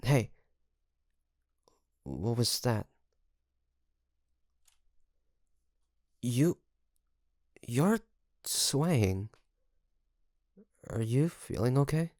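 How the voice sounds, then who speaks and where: A man playing a secretly obsessive best friend in an intimate audio roleplay, coaxing and hesitant, with sighs and pauses. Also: medium pitch, animated, darkish tone, dry recording, clean studio sound. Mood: feigned worry.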